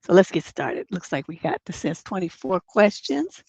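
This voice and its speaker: A woman hosting a relationship advice livestream, hoarse from a cold, chatting in a rambling, self-mocking way before reading out questions. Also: lowish voice, sing-song, moderate pace, darkish tone, no room sound. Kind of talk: casual livestream advice chat.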